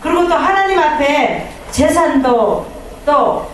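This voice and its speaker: High, lively woman pastor preaching. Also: slow, slight background noise. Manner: animated, acts out quoted prayers and complaints. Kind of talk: sermon. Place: church sanctuary. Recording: echoey hall from far off.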